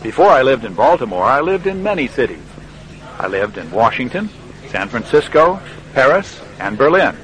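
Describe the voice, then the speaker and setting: A friendly radio reporter in a scripted learner dialogue. He speaks clearly and patiently with a lively, bouncing intonation, and there is a faint hiss behind him. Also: medium pitch, normal speed, poor audio. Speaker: interviewer.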